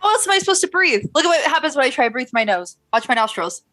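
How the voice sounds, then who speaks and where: A young woman co-hosting a casual podcast chat, with a nasal, congested voice and an animated, joking manner. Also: high-pitched, racing. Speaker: podcast co-host.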